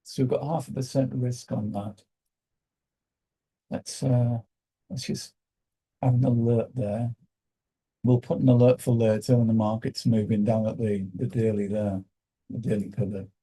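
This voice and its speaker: A British man with a croaky voice, hosting a live day trading session and thinking aloud with halting fillers. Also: mid-range voice, little pitch movement, warm tone, poor audio.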